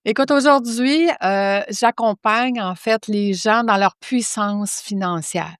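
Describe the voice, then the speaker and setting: A woman's voice: medium pitch, slow pace, clear, resonant tone, no echo, studio quality. A woman in her fifties from Quebec with a Québécois accent, a financial coach explaining her work in a friendly, casual interview with many fillers. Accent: Québécois French.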